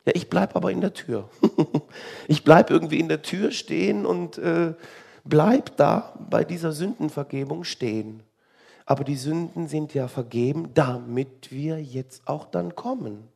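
A man's voice: a little high, measured pace, gravelly, darkish tone, husky. A man preaching a sermon in a conversational, wry way, asking the listeners rhetorical questions.

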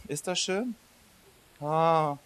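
A man preaching a sermon in a lively, conversational way, swinging between loud emphasis and quiet asides. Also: a little high, extremely slow, clear, resonant tone.

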